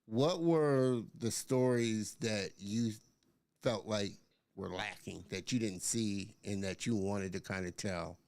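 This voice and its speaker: A man's voice: fairly low pitch, slow pace, a little mellow, clear, resonant tone, dry recording. A man hosting a live interview show, upbeat and chatty, with lots of filler words as he reads out viewer comments. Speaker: host.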